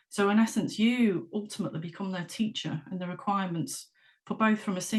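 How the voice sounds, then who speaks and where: Somewhat breathy, a woman with a British accent talks at a fairly quick pace with ordinary pitch variation. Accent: British, non-American. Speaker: pharmaceutical quality consultant, former inspector. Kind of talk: panel discussion. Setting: video call. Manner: hesitant, many ums.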